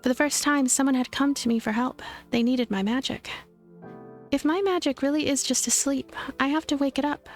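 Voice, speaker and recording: Earnest young witch heroine, high voice, woman narrating. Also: brisk, soft background music, lightly acted. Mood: hopeful. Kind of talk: visual novel narration.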